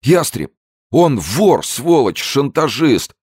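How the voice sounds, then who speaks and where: A man voicing a terrified, wheezing middle-aged black-market boss with a hoarse, trembling voice in an audiobook. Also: medium pitch, sing-song, takes it slowly, darkish tone, no echo, studio quality, pitched above the performer's own voice, heavily acted. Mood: panicked.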